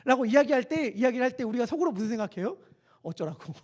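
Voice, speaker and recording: A man's voice: extremely high pitch, very fast. A man preaching a sermon as pastor in a church, talking conversationally and asking the congregation questions. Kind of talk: expository sermon. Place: church sanctuary.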